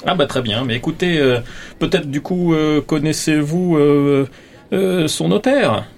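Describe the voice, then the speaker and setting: A man's voice: on the high side, a little slow, vocal fry, pitched above the performer's own voice. A man voicing a fussy, gossipy male sports club committee man in a tabletop role-play, full of hesitations. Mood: chatty.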